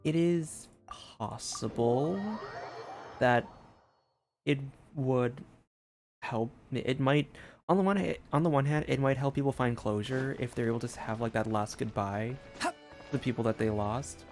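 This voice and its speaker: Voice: medium pitch, a little slow, darkish tone, soft background music. A streamer giving casual gameplay commentary, thinking aloud in a hesitant, rambling way.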